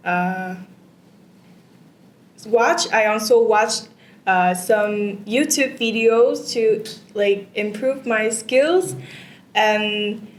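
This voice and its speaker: A young Vietnamese woman, a non-native English speaker, answering exam questions hesitantly with many fillers and repeats. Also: mid-range voice. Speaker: test candidate. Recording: echoey room with faint noise.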